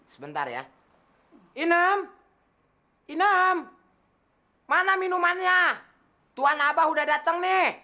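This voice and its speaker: A man's voice: sits high, sing-song, normal speed, sharp tone, heavily acted. An actor playing a man pretending to be rich, showy and bossy, teasing his driver in a TV sitcom. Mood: boastful. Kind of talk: sitcom acting.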